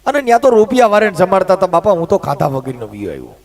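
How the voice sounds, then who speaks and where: A man doing a meek old devotee, low and pleading. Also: very animated, racing. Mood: aggrieved. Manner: soft, pleading, lowered voice. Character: poor, humble old devotee, meek and sorrowful.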